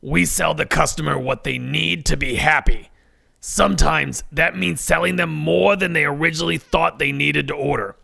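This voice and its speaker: A man voicing a bossy, officious woman who trains pizza store staff, with a gravelly voice, in a comedic story. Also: medium pitch, normal speed, sharp tone, pitched above the performer's own voice. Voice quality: gravelly, creaky. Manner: officious, corporate-script delivery.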